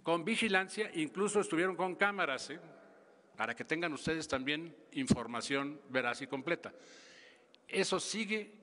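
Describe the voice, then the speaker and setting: A Mexican man in his seventies answering press questions in a halting, emphatic way, often repeating himself. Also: fairly high pitch, animated, bright, forceful tone. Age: 70s. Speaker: government official at press conference. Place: large indoor press conference hall. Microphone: podium microphones. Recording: reverberant hall, podium microphone.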